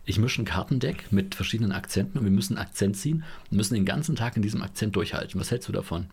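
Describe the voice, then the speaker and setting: Playful man with a very husky voice. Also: on the low side, lively intonation, very fast, darkish tone. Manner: playful, teasing, jokey. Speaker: podcast co-host. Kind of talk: casual chat.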